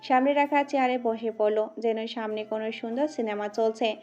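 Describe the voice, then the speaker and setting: A woman narrating a dramatic audio story with steady, scripted storytelling. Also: on the high side, moderate pace. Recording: muffled audio with background music.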